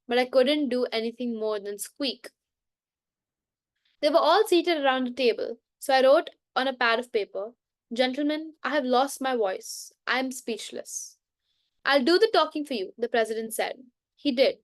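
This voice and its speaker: A fairly high-pitched woman reads a book aloud in a relaxed bedtime session. She stumbles and restarts words now and then and coughs occasionally. The sound is dry and close, with little room echo. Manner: halting reading with frequent restarts and self-corrections. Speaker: book reader. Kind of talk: unscripted bedtime book reading.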